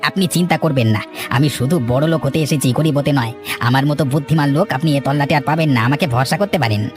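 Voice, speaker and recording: A man's voice: on the high side, racing, music in the background, close to an everyday voice. A man playing a cocky, greedy village swindler in a cartoon, boastful, wheedling and treacherous. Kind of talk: dramatized cartoon villain dialogue.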